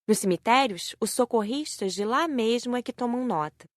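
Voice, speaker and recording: A woman's voice: fairly high pitch, animated, normal speed, dry recording. Woman narrating an audiobook, very dry sound. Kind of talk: scripted first-person narration of a spiritist story.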